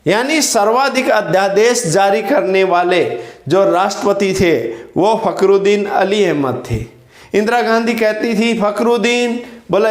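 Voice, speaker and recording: A man's voice: sits high, reverberant. A male teacher giving an exam-prep lecture, repeating key words and quizzing his students with memory tricks.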